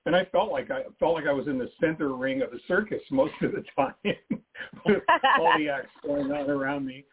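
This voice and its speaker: An older man, a guest author on a radio interview, talking in a halting, easygoing way with frequent restarts. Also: a little high, animated, gravelly, husky. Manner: halting, repeats himself, easygoing humor. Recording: tinny phone-line audio.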